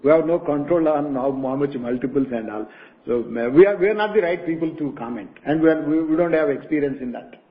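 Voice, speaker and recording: Male exec, higher register, guarded answers, phone-line call audio. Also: animated. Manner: measured, cautious, restarts phrases. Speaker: company executive answering analysts.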